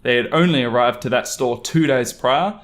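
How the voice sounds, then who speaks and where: A man's voice: medium pitch, normal speed, a bit bright. Man narrating an online story. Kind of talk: animated reading of online stories.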